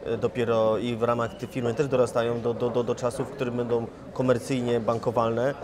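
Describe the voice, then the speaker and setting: Guy in his 40s at a conference, mid pitch, talks measured with lots of restarts, chatter behind. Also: level tone. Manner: measured, with frequent restarts and fillers. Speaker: investment firm chief executive. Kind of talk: interview answers. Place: conference hall in front of a sponsor wall. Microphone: lapel mic. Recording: conference crowd noise. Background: crowd chatter.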